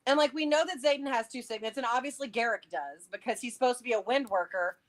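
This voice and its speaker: High-voiced, excitable woman chatting casually. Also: fast talker. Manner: excitable, thinking aloud. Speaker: co-host of a book read-along livestream. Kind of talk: casual chat, theorizing about a fantasy novel.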